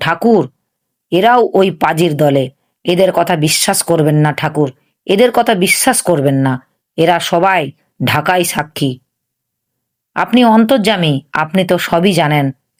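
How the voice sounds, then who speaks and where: A shrill, put-on character voice at a middle pitch and moderate pace, on a very clean recording with a silent background. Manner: anguished shrieking, pitch raised to the highest.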